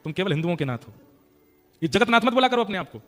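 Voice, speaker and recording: A man putting on a devoted Muslim man, raised high and urgent as he pleads and protests in a told temple legend. His lines come fast and emphatic, stubborn and lovesick, as a storyteller voices him. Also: sing-song, fairly bright tone. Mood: indignant.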